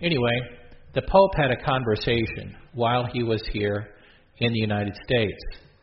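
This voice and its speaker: A man with an American accent speaks at a moderate pace and medium pitch, with ordinary pitch variation and audible room echo. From Texas, Dallas. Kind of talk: sermon. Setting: church. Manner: halting, many fillers.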